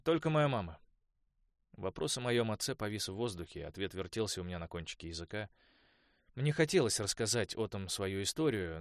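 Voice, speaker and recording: A man narrating a novel as an audiobook in a measured, even storytelling manner. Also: lowish voice, no room sound, clean studio sound.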